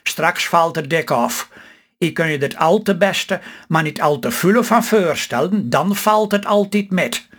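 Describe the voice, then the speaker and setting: A man's voice: fairly high pitch, lively intonation, measured pace, a bit bright. Man doing a grumbling gloomy country husband. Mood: doubtful. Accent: Stellingwerf Low Saxon dialect. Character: grumpy pessimistic rural husband.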